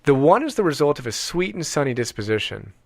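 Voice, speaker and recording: A man reading an audiobook in a deliberate, measured way with emphatic pauses. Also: a little high, sing-song, creaky, a little mellow, dry recording. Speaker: audiobook reader. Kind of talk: scripted audiobook narration.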